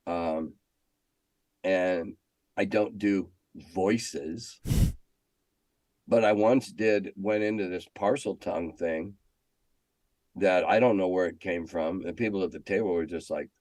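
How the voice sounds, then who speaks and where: An older American man with a fairly low voice talks as an interview guest. He is opinionated and emphatic, repeating phrases for stress as he tells stories. The sound is dry, without room echo. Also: slow pace, pauses often, darkish tone. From United States. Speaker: interview guest, veteran game designer and editor. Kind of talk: conversational interview answers with storytelling.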